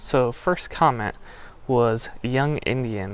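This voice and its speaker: This soft-spoken man has a medium pitch with ordinary pitch variation. The recording is very clean, with a silent background. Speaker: aquarium YouTuber. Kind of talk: casual tutorial.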